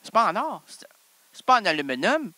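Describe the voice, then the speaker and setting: A Québécois man with a high, sharp voice riffs through a goofy radio monologue. He wanders from one joke to the next and argues with his own asides. The tone stays bright and playful. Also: big pitch swings, a little fast, no room sound, low-quality recording. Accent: Québécois French. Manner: playful, rambling, answers himself in asides. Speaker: radio show host. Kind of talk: improvised comic monologue.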